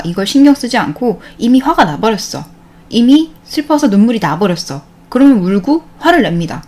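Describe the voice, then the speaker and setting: A woman with a mid-range voice gives a casual talk on emotional healing. She speaks loosely, often repeating herself or restarting a phrase. Now and then she voices quick lines as a parent or a child. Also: medium pitch, a little mellow. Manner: conversational, acts out quoted parents and children in brief voices; repeats words and restarts, with many fillers. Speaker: self-help channel host. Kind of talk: casual spoken lecture on inner healing.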